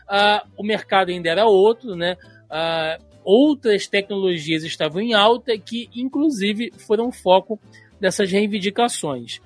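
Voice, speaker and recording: A man's voice: high-pitched, a bit bright. A man in his thirties with a Carioca accent, co-hosting a casual podcast and explaining at length with many fillers. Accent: Carioca Portuguese. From Brazil. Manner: chatty, lots of "né" fillers, tangents. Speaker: podcast co-host.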